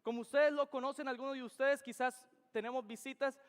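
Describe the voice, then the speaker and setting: A man's voice: extremely high pitch, steady tone, a little fast, smooth. A young man from Venezuela, preaching an earnest, emphatic sermon that repeats key phrases. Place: church sanctuary. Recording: reverberant church hall.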